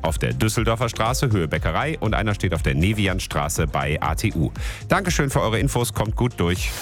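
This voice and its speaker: Chatty morning radio host over music. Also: male voice, fairly low pitch, normal speed. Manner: chatty, joking, lively. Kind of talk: casual weather and traffic presenting. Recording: music bed behind voice.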